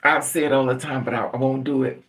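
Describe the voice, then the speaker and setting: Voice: mid-range voice, steady tone, fast talker, a bit bright. A middle-aged livestream host chatting casually and candidly with viewers, laughing often and calling on them by name.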